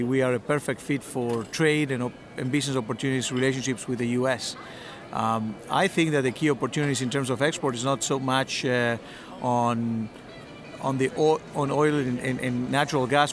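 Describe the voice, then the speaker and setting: A middle-aged man from Argentina who represents an industry association, answering interview questions at a measured pace with frequent fillers and restarts. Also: mid-range voice. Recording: crowd noise behind.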